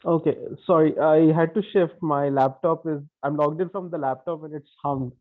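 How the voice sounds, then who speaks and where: A man speaks over a thin, tinny phone line, his voice sitting a little high. He introduces himself casually and hesitantly, with plenty of filler sounds between thoughts. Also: steady tone, moderate pace. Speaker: participant in an online empathy circle. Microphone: phone call.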